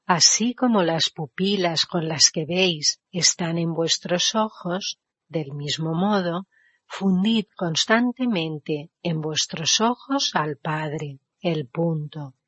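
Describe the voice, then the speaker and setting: A woman interprets a spiritual discourse in a slow, unhurried delivery and a somewhat low voice. She keeps putting questions to her listeners and stops to explain foreign terms. The sound is dry and a bit dull, like a lo-fi recording. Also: fairly bright tone, breathy edge, no room sound. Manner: rhetorical questions to the audience, explains foreign words.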